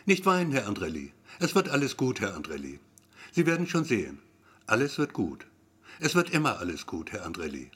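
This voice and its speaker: A man voicing a brisk, cool female receptionist in white who calls patients in a crisp, formal way. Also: lowish voice, huge pitch swings, a bit bright, full character voice.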